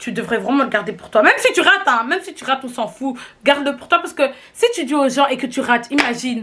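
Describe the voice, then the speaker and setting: This voice has an animated tone and lively intonation at a fairly quick pace. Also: woman. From Belgium. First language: Dutch (speaking French). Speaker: vlogger. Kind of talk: casual vlog storytelling. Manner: fast.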